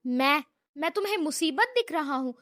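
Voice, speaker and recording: A woman reads a rude young man who yells at everyone. He is hot-headed and easily offended, and he barks his lines in a high voice. The recording is close and dry. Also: lively intonation, dry recording. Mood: angry shouting. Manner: shouting, indignant outbursts.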